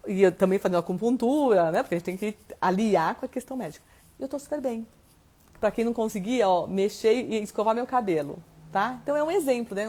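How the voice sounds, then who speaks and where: A woman talks straight to her live stream audience at a middle pitch. She is chatty and informal, greeting viewers by name and ending phrase after phrase with a quick question word. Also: darkish tone. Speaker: host of a live stream on family systems. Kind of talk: live stream chat, reading viewer comments.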